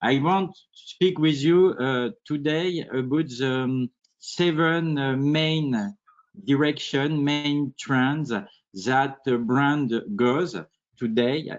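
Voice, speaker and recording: A man with a French accent at a very slow pace, fairly high in pitch, with ordinary pitch variation. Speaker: packaging expert, author. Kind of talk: presentation. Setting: online webinar. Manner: halting, many fillers.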